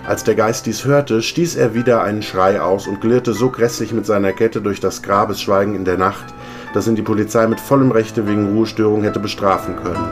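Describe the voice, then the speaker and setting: A radio presenter reading a classic story aloud in a measured, expressive way. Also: male voice, fairly low pitch, music in the background.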